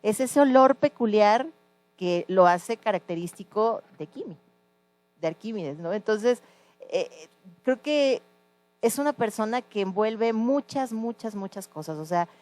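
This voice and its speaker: A woman's voice: mid-range voice, expressive, a little slow, darkish tone. A woman interviewing a former teacher, asking earnest questions with some hesitation.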